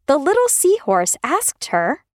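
Woman narrator, children's story, expressive and exclamatory, lively in pitch. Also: a little slow, dry recording, studio quality.

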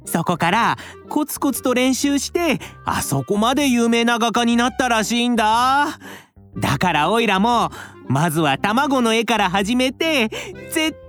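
A high, boyish little dinosaur rascal who steals eggs, as a woman plays him, his voice bouncing all over as he rushes and stammers through his words. An excitable children's audio-drama figure. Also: faint music behind. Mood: eager. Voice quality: boyish, eager, talks with stammers. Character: mischievous young male dinosaur egg thief.

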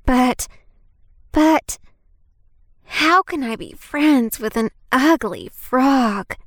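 A woman's voice: high-pitched, expressive, drawn-out words, fairly bright tone, dry recording, clean studio sound, voice pushed up, heavily acted. A woman voicing a young, reluctant princess in a storybook reading, whiny and hesitant.

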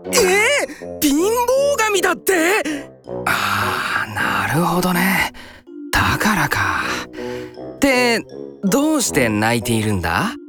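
A woman acts out a kind-hearted young farmer who talks in a slow, lively, rustic drawl. Music plays softly behind him in this storybook telling. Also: on the low side, exaggerated voice. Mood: curious. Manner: rustic country speech, earnest. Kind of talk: children's folktale voice acting.

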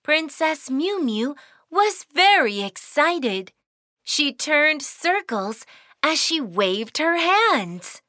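A woman's voice: high voice, big pitch swings, drawn-out words, bright, forceful tone, dry recording, clean studio sound. A woman narrating a children's cartoon in a sing-song, cheerful storytelling way.

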